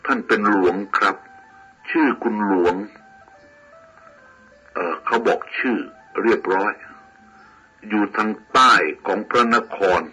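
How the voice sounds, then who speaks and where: A man's voice: on the low side, slow, long pauses, bright, forceful tone, slightly rough, faint music behind, full character voice, poor audio. A man voicing an ashamed debt-ridden younger man. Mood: humble, pleading. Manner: pleading, deferential.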